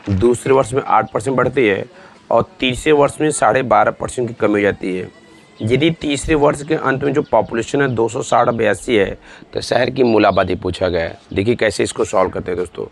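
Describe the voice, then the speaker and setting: With a medium-pitched voice marked by vocal fry, a forty-something man coaches students through exam-prep math one step at a time, repeating things and calling them friends and dear ones.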